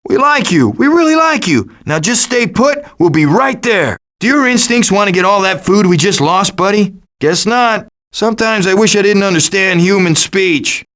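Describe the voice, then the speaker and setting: A man's voice: sits high, lively intonation, normal speed, few pauses, fairly bright tone. A man voicing a cocky, wisecracking raccoon schemer in a video game, with a glib, sarcastic delivery. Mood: cocky, quippy. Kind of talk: animated video game voice acting.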